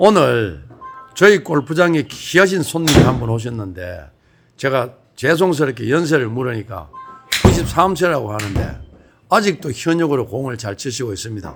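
Music plays in the background. Over it, a man speaks with very wide pitch swings. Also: medium pitch for a man, moderate pace, big swings in loudness. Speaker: golf instructor, channel host. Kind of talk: interviewer questions.

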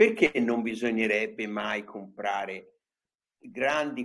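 Against a quiet background, a man talks at a fairly slow pace, his pitch fairly low and his pitch variation ordinary. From Italy. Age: 60s. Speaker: podcast host and author. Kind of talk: casual online talk with Q&A. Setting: online call. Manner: halting, many repetitions. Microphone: video call.

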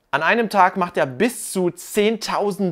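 A woman at a very slow pace on a very clean recording with a silent background. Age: 20s. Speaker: gaming news YouTuber. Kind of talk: video news presentation. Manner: calm.

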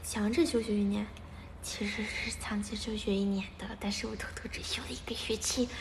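This woman talks at a moderate pace with a fairly high pitch and ordinary pitch variation. Background noise is noticeable. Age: 20s. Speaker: idol group member livestreaming; idol livestreamer. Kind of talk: casual livestream chat. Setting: rehearsal room. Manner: animated. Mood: playful, relaxed. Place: empty room. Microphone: phone near.

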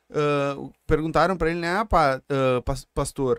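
A man at a fairly slow pace with ordinary pitch variation, in a dry sound with no echo against a quiet background. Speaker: podcast host. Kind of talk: casual chat, podcast conversation. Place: studio. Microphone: studio mic.

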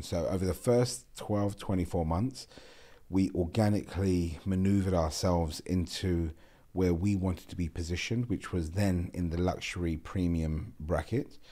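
Over a quiet background, a man with a London accent speaks at a very deep, low pitch, his tone dark and mellow. He holds a moderate pace and ordinary pitch variation. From South London, England. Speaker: entrepreneur, magazine co-founder. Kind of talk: casual interview. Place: home room. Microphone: studio mic.

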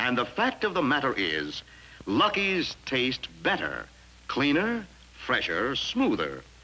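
Against noticeable background noise, a man of medium pitch talks at a fairly slow pace with very wide pitch swings. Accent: American. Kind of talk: vintage TV commercial announcer read. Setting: 1950s broadcast recording.

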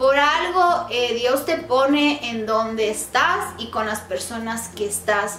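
Amid light background noise and audible room echo, a woman speaks at a very slow pace with hardly any pauses, her high pitch moving with lively intonation. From Ecuador, near Quito. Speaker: lifestyle YouTuber. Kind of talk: personal storytelling vlog. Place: home room. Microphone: phone near.

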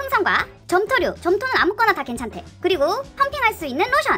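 Over music in the background, a woman talks at a fairly quick pace in a raised, projected voice, her tone playful and upbeat, her pitch extremely high, with very wide pitch swings. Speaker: slime and craft YouTuber. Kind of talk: casual DIY craft tutorial talk. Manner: playful, upbeat.

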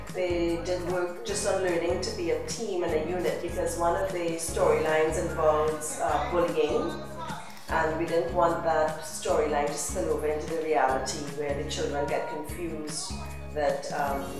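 A woman talks amid audible room echo, with clear music playing in the background. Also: moderate pace. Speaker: acting workshop coach. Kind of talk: interview answer. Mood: reflective, earnest. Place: studio.

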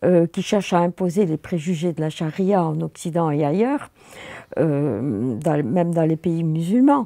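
Against a quiet background, a woman speaks at a fairly slow pace. Her fairly low voice has a dark, mellow tone and lively intonation. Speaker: author and historian; interviewee. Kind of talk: interview. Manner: halting, many hesitations. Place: studio. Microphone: lapel.

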